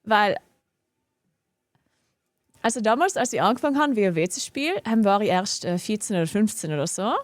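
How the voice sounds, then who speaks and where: A woman's voice: mid-range voice, expressive, fairly quick, long pauses, no room sound, studio quality. A young woman with a regional German dialect, chatting casually and giggling often while streaming a game from her home office. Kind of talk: casual live-stream chat while gaming.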